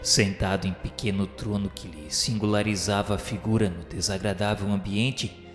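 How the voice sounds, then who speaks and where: A man's voice: on the low side, fairly even intonation, normal speed. A man with a Brazilian accent narrating a scripted radio drama in a formal, literary, solemn storytelling manner. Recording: echoey hall reverb, faint music behind.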